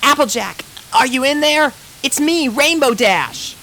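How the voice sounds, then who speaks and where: A man voicing a brash, tomboyish young female pegasus pony who calls out loudly and eagerly. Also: very high voice, lively intonation, measured pace, a little hiss or hum, voice pushed up, exaggerated voice. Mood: pleading.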